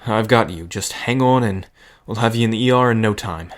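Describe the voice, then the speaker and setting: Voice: medium pitch, a little fast, lightly acted. A performer acting a protective, stubborn friend in an audio drama, speaking firmly with dry sarcasm and care. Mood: firm, caring. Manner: firm, sarcastic, caring.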